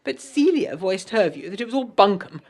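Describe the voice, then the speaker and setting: A woman playing a genteel, lively 1920s Englishwoman with an English accent, reading her letters aloud in a prim, articulate way for an audio drama. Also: medium pitch, fairly quick, soft background music. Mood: chatty, delighted. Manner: prim, articulate, period turns of phrase.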